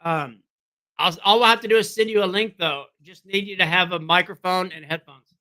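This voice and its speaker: High-voiced man losing his voice. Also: fairly quick, sharp tone. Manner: rambling, repeats himself. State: losing his voice, throat-clearing. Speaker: livestream host. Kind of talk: casual livestream talk to viewers.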